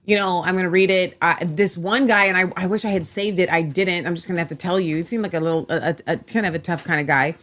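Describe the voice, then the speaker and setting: A woman in a lower register hosts her online show from home. She talks in a chatty, rambling way and often restarts her sentences. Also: quick pace, hardly any pauses, a bit bright. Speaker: host. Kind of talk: casual online show chat.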